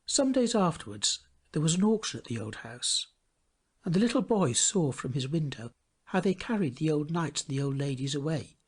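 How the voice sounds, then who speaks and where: Expressive male storyteller, lively swooping pitch. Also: breathy edge. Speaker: storybook reader. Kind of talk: scripted storybook narration.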